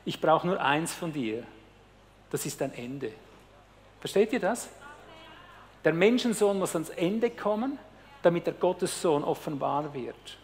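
A high-pitched man preaches to a hall audience and speaks straight to them. He moves from quiet, intimate lines to loud, urgent cries. A long reverb hangs behind his voice. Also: animated, a little slow, long pauses. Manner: intense preaching, addresses listeners directly, swings from hushed to loud cries. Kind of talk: sermon.

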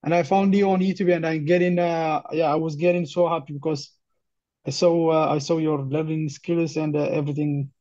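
Young ethiopian guy on a muffled online call, kinda monotone, halting and repeating words. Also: fairly high pitch. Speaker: career guidance client, refugee newcomer. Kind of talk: casual conversation, introducing himself.

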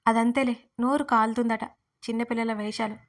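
A woman voicing a brisk, fond middle-aged aunt in an audio story. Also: on the high side, fairly even intonation, lightly acted.

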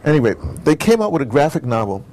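A man's voice: on the high side, big pitch swings, fast, darkish tone, a little hiss or hum. A man being interviewed, speaking in an emphatic, digressive way and repeating phrases to drive them home. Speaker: interviewee, audio drama producer. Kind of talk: animated interview conversation.

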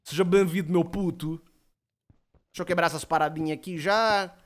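A young Brazilian man with a Brazilian Portuguese accent and a fairly high voice chats loosely on a live stream. He jokes, rambles and answers his chat aloud into a desk microphone in a small room. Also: steady tone, moderate pace. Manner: playful, joking, reads chat aloud, rambling. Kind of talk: casual live-stream chat while gaming.

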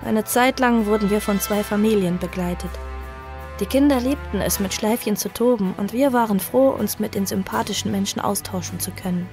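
A woman playing a young survivor who tells her own story in an audio drama, earnest, sorrowful and measured. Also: medium pitch, a little mellow, faint music behind, lightly acted. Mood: measured, wistful. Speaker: narrator and protagonist. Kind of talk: audio drama first-person narration.

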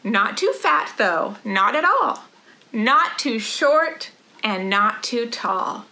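A middle-aged woman leading a storytime for young children in an animated, rhythmic sing-song delivery, recorded in a living room. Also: a little high, slow, a little hiss or hum. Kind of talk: children's storytime read-aloud.

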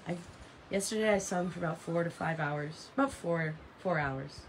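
A woman in her thirties with a raspy voice, chatting casually and dramatically to live stream viewers, repeating phrases for emphasis. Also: fairly low pitch, moderate pace. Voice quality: raspy from heavy singing. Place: open porch of a house and its garden, outdoors. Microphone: phone at arm's length. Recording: noisy outdoor phone recording.

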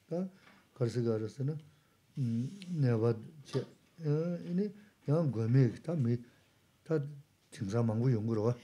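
A man teaching Buddhism in short phrases with frequent hums and hesitations, pausing for his interpreter. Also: medium pitch, warm tone. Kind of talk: Dharma teaching, translated line by line.

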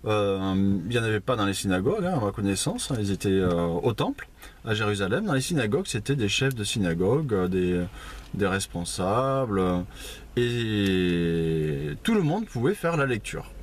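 A man's voice: on the low side, very animated, moderate pace, slight background noise. A man giving an informal Bible teaching at a house church, conversational, with many fillers and asides. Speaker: preacher.

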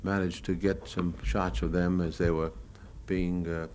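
An American newsreel cameraman narrates his own war footage and home movies off the cuff, matter-of-fact and hesitant as he reminisces. His low, darkish voice has little pitch movement and a measured pace. The old live talk recording is noisy.

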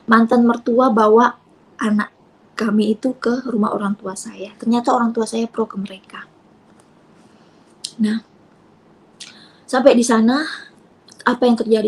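A woman giving an emotional personal testimony as a convert, tearful at times, dropping to soft near-whispers and rising to raised outbursts. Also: on the high side, husky.

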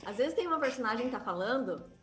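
A woman's voice: a little high, expressive, fast, fairly bright tone, faint music behind. Woman writer in an echoey room. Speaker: guest writer. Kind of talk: casual panel chat on a live stream.

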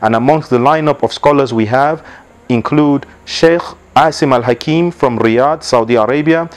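Man, 30s, organization leader; steady mid-pitched, formal scripted address. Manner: measured, formal, opens with Arabic blessings. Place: indoor library with bookshelves. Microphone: lapel mic.

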